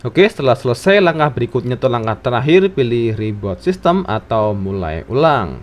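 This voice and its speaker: A man's voice: medium pitch, big pitch swings, fairly quick, faint music behind. Man narrating a step-by-step tutorial.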